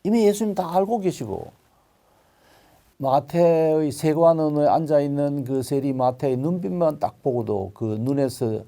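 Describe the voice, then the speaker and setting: An older male pastor preaching a sermon, telling stories with sudden loud, emphatic swells. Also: a little high, expressive, unhurried, vocal fry.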